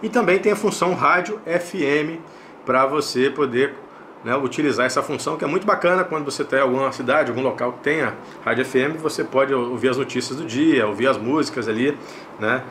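With a Brazilian Portuguese accent and a brisk, slightly bright mid-range voice, a man hosts a casual unboxing and product review. He explains things step by step, repeats himself, and checks in with little tag questions, with slight background noise.

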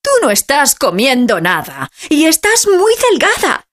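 A woman voicing a cheerful, bustling old grandmother who talks loudly. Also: high voice, wildly swooping pitch, measured pace, voice pushed up, full character voice.

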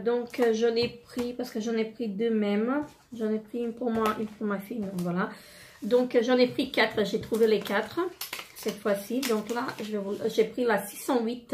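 A woman in her thirties with a slightly hoarse voice, chatting casually through a product haul with many fillers and pauses. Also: on the high side, darkish tone, slight background noise. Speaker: beauty vlogger.

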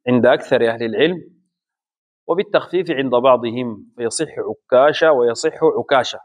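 Slow, measured male religious teacher. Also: medium pitch. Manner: slow deliberate explanation with pauses. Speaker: Islamic scholar teaching a book.

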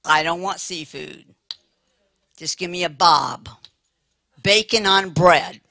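An older American woman preaching a lively sermon with humor, talking in a big, animated, playful voice. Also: on the low side, slow pace, creaky, no echo.

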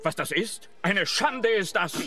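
An actor playing a decent, grave doctor in a radio drama, firm and disapproving. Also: male voice, high voice, expressive, unhurried. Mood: grave, outraged. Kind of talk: German radio play acting.

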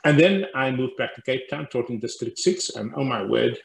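A man, a professor telling stories on a video call from a room at home. He talks in an animated, anecdotal way, laughing often. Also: medium pitch, normal speed, gravelly, a little hiss or hum. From South Africa. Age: 60s. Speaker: guest speaker, professor. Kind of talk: storytelling interview on a video call. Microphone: headset on a video call.

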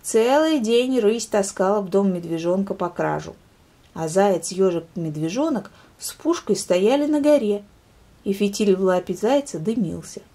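A woman reading a children's story aloud in a calm, expressive manner. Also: mid-range voice, normal speed. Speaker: reader.

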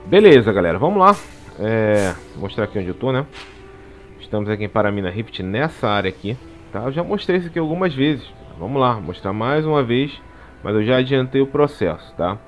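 A man's voice: mid-range voice, sing-song, brisk, soft background music. A man with a Brazilian Portuguese accent giving a casual game walkthrough, chatty and tagging "tá?" onto nearly every phrase. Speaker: gaming channel host. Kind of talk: casual gameplay walkthrough commentary. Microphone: voice-over commentary over game capture.

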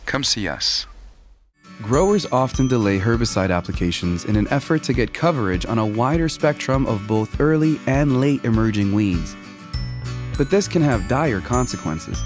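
A man giving scripted commercial and explainer narration as a voice-over artist, in a clear, measured announcer delivery. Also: mid-range voice.

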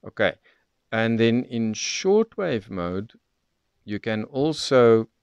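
A man's voice: on the low side, clean tone, no echo. A man presenting an unscripted product demonstration, explaining things methodically, step by step. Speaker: presenter of radio tutorial.

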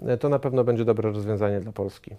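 A man in his thirties, a studio guest answering interview questions in a measured way, with frequent hesitations and restarts. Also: fairly low pitch, steady tone, lo-fi sound. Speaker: studio guest, member of parliament. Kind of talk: political TV interview. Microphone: lapel mic.

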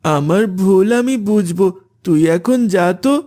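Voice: mid-range voice, animated, a little slow, mellow, lightly acted. An actor voicing a lazy, sleepy boy in a cartoon who brushes others off. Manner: drowsy, dismissive.

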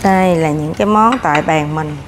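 Wearing a lapel mic, a woman in her thirties who vlogs about food gives a casual walkthrough of a hotel breakfast buffet, chatting and narrating as she fills her plate. She has a deep voice at normal speed, and the noisy background is full of clattering dishes and cutlery.

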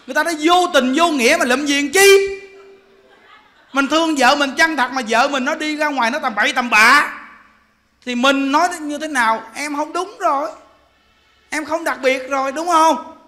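A man's voice: very high voice, moderate pace, pushed and bright. A man in his forties with a Southern Vietnamese accent, a monk giving a humorous Buddhist sermon, chatty, laughing often and firing rhetorical questions at his listeners. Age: 40s. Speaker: monk giving a Dharma talk.

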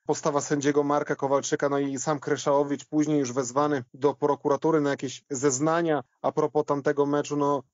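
A man's voice: on the high side, little pitch movement, a little fast, few pauses, a little mellow, no echo. A man in a conversational sports history discussion, thinking aloud with some hesitation as he talks. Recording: slightly dull, band-limited audio.

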